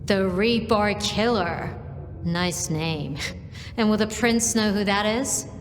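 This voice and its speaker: An actress playing a curt, deadpan and dismissive office gatekeeper in a noir video game. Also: female voice, medium pitch, takes it slowly, music in the background, natural voice. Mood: dismissive, sardonic. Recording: long reverb, clear background noise.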